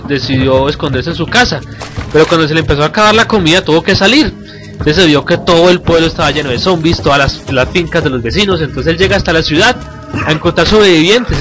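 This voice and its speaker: A young man with a Colombian accent giving excitable let's-play commentary at his computer, yelping and swearing at scares. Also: fairly high pitch. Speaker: gamer. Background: game music.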